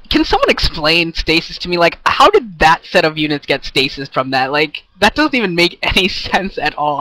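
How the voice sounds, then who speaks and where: A young man co-commentating a game, sarcastic and excitable with quick jokes, on a headset mic. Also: fairly high pitch, no echo, low-quality recording. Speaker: esports co-commentator.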